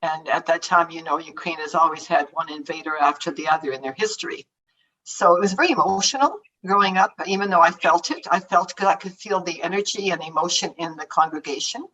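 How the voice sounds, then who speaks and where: A Canadian author with a fairly low, husky, fairly bright voice answers audience questions casually and briskly, talking about her life and books. She laughs often and trails off mid-thought. The remote audio sounds distant, dull, and lo-fi.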